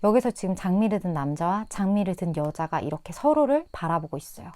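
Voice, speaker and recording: Gentle musing woman reading tarot. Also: lowish voice, animated, quick pace, dry recording. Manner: gentle, musing, thinks aloud with soft hums and fillers. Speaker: tarot reader. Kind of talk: casual tarot reading to viewers.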